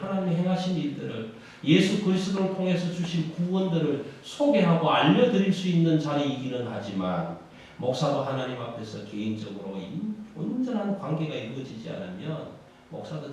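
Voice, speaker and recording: A Korean male pastor preaches with emphatic, rousing swings of pitch and dramatic pauses. His fairly high voice booms through a large, very echoey church hall. It is captured from a distance with faint noise underneath. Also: lively intonation, a little mellow. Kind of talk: sermon.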